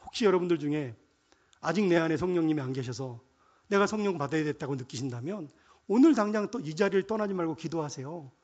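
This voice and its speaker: A middle-aged male pastor with a fairly high voice delivers a lively sermon. He drops to quiet, chatty asides, then rises to loud, stretched-out proclamations of scripture. He also calls on the congregation to recite lines back with him. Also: fast, highs cut off. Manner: animated preaching, swings from soft asides to loud proclamations; quotes scripture in archaic phrasing and leads the congregation in call-and-response.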